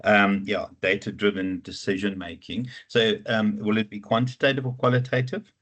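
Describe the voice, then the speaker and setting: This is a man with a somewhat deep voice and a clear South African Afrikaans accent. He lectures informally, working out ideas aloud as he advises students, with a teasing, familiar way about him. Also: level tone, moderate pace, a bit bright. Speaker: university lecturer advising students on research proposals. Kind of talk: informal online teaching consultation.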